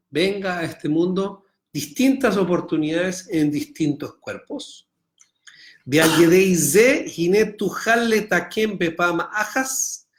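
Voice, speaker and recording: Chilean rabbi, middle-aged man, somewhat high voice, reads Hebrew then explains, teaching-class energy. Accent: Chilean Spanish. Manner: explains by reading Hebrew text then translating, asks students rhetorical checks. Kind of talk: online Torah class.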